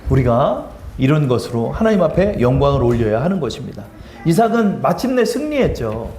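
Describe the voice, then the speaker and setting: Male pastor, lively high-pitched preaching, questions and answers himself, echoey church sound. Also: brisk. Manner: animated preaching, asks and answers his own questions; acts out quoted speech in a casual tone. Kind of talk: sermon. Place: church sanctuary.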